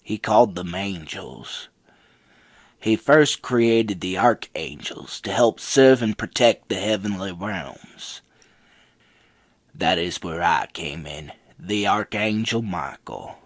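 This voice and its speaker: A man voicing the Archangel Michael as a solemn, grave angel narrating the history of creation in a measured, scripted dramatic style. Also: low-pitched, expressive, no echo, heavily acted.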